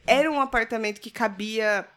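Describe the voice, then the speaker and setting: A woman's voice: fairly high pitch, a little fast, fairly bright tone, slight background noise. A woman in her thirties co-hosting a podcast, telling a story in casual chat and often breaking into laughter. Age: 30s. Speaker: podcast co-host.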